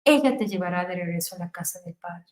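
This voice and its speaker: A woman's voice: on the low side, fast talker. Fervent Ecuadorian woman in an echoey room. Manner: fervent, rising to near-shouts and dropping to soft murmurs. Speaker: guest giving a testimony. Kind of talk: emotional personal testimony.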